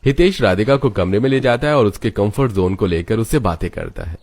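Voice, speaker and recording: A man giving scripted story narration in an even, matter-of-fact way. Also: lowish voice, a little fast.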